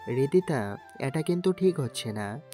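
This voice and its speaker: A man's voice: mid-range voice, expressive, measured pace, dark tone, lightly acted. A man playing an anxious, ordinary college student in an audio story, earnest and pleading in his delivery. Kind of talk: Bengali audio story acting and first-person narration. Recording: music under the voice.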